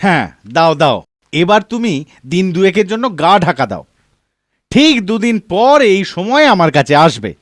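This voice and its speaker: A man voicing a clever, self-assured village jester in a comic cartoon, persuasive and calmly scheming. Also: high voice, normal speed, no room sound, clean studio sound. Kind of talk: dubbed comic cartoon dialogue.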